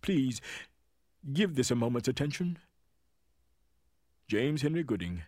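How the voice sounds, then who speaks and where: An actor playing a dignified, aggrieved Black Union soldier, reading a formal, impassioned letter of petition in oratorical style. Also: male voice, medium pitch, big pitch swings, measured pace, a little mellow, dry recording, clean studio sound. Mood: earnest appeal.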